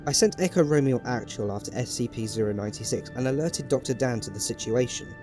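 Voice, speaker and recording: A man as a calm, deliberate scientist. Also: mid-range voice, lightly acted. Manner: slow, deliberate, formal report. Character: composed, deliberate male scientist. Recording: music playing underneath.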